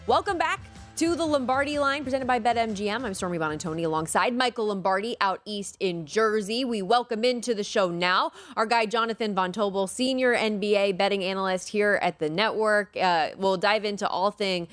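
A woman's voice: medium pitch, brisk, soft background music. Woman hosting a sports talk show. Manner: conversational, keeps asking the guest questions.

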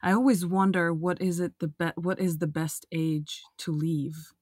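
Low-voiced woman interviewer, dry sound. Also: steady tone, unhurried, darkish tone, husky, dry recording. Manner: reflective, asks thoughtful questions. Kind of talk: conversational interview.

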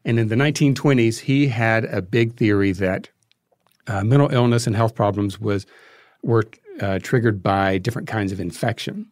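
A man being interviewed as a guest, explaining history in a conversational, halting way as he thinks aloud. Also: lowish voice, a little mellow, no echo, clean studio sound. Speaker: interview guest, filmmaker and podcast creator.

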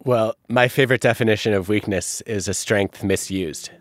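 A man's voice: on the low side, normal speed, no echo. A man hosting an interview, asking questions with enthusiastic praise for his guest. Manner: enthusiastic, warmly complimentary questioning. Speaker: podcast host and interviewer. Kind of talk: interview conversation.

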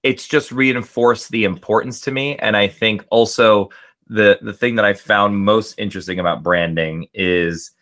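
A man's voice: lowish voice, fairly even intonation, unhurried, a bit bright. A man talking as a guest in an interview about building a brand, explaining earnestly at length. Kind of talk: casual interview answers.

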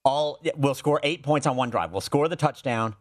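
A man's voice: mid-range voice, moderate pace. A man chatting casually and emphatically as a betting guest in a studio, repeating himself for effect.

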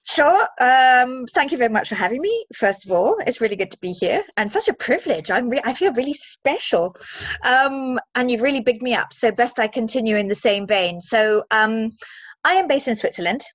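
A woman's voice: on the high side, lively intonation, moderate pace, dry recording. Upbeat woman in her forties, dry sound. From Zimbabwe. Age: 40s. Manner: upbeat, chatty, many fillers. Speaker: guest, movement and mindset coach. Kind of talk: casual interview chat.

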